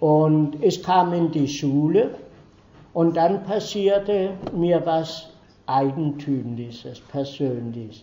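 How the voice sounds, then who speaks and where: Speaking at a very slow pace, a man with a fairly high pitch and a dark, mellow tone shows ordinary pitch variation amid audible room echo. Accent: Danish. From Denmark. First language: Danish (speaking German). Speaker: Holocaust survivor and contemporary witness. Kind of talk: lecture. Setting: university lecture hall with audience. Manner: halting.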